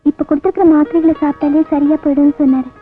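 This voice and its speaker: A woman playing a gentle, earnest young wife. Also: high-pitched, steady tone, very fast, narrow, tinny audio, soft background music, natural voice. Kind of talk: 1990s Tamil film acting.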